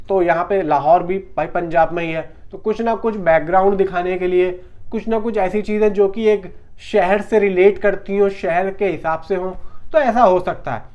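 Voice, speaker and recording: Guy doing casual movie news, pretty high voice, repeats himself for emphasis, kinda muffled lo-fi audio. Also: a little mellow. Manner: conversational, repetitive, emphatic, addresses viewers as brother. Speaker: film news YouTuber. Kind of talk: casual film news commentary.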